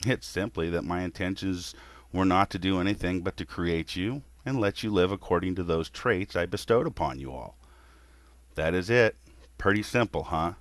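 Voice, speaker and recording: A man voicing a weary creator god in a scripted monologue, lecturing humanity in a scornful, measured way. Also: low voice, no echo, close to an everyday voice.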